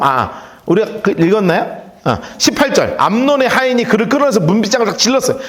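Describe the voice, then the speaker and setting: A male pastor teaches a Bible study in church, his voice sitting a little high. He tells the story with wide, lively swings in pitch and briefly takes on the voices of the characters. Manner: storytelling, acts out the characters' lines.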